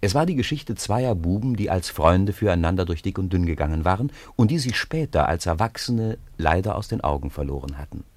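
A low-pitched man tells a children's story in a radio play. His delivery is measured and conversational, recorded very dry, as if speaking straight to his young listeners. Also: expressive, a little mellow, dry recording. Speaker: storyteller narrator.

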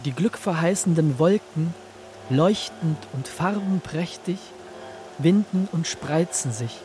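An actor playing an earnest disciple, reciting ancient verse in a declamatory, deliberate way in a radio drama. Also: male voice, a little high, lively intonation, mellow, a little hiss or hum. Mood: declaiming.

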